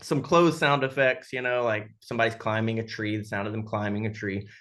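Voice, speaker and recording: A man's voice: on the low side, steady tone, a little fast, a bit bright. Informal man chatting, thinking aloud. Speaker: sound designer being interviewed. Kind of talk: casual interview chat.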